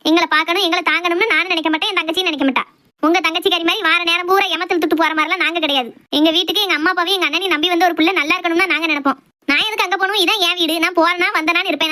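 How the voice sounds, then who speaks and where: Casting: woman as feisty Tirunelveli village mother for cartoon drama, piercingly high, rattling off complaints. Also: bright, forceful tone. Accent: Tirunelveli Tamil. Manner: scolding, argumentative, rapid complaints. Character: sharp-tongued, outspoken village wife and mother. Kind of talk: amateur cartoon family drama.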